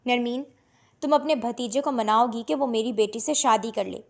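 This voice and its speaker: A stern middle-aged father, acted by a woman reader in a storybook drama. He pleads helplessly one moment and growls with biting sarcasm the next, in a high voice. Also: creaky. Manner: pleading then harsh, sarcastic.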